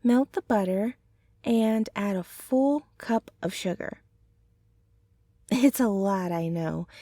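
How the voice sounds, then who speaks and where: A woman playing a gentle, affectionate young centaur girlfriend in an ASMR roleplay, speaking softly and tenderly in an unhurried ramble. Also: fairly high pitch, no room sound, studio quality. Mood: gentle, instructive.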